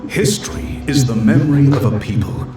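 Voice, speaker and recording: An actor playing a wise, courteous tribal chief in a video game, speaking formally and thoughtfully. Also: male voice, medium pitch, brisk, close to an everyday voice. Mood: thoughtful, pleased. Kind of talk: video game character acting. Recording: roomy echo, music behind.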